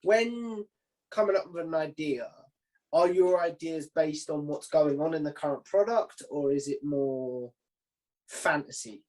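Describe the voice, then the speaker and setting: A man's voice: on the high side, a little slow, a little mellow, poor audio. A man hosting a casual, informal interview, asking questions in a conversational way. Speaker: interviewer, host.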